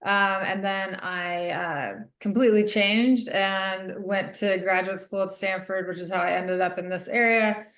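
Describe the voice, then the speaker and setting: A middle-aged woman from Northern California, an author answering interview questions thoughtfully, with many pauses and soft laughs. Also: mid-range voice, steady tone, reverberant. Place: radio studio.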